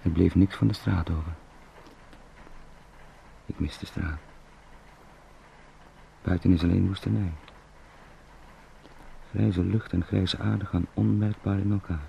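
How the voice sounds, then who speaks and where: An actor playing a lonely, brooding salesman turned beetle, musing in short halting sentences in a radio play. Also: deep voice, fairly even intonation, creaky, mellow, slight background noise, full character voice, rough recording. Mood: mournful. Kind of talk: introspective radio play monologue.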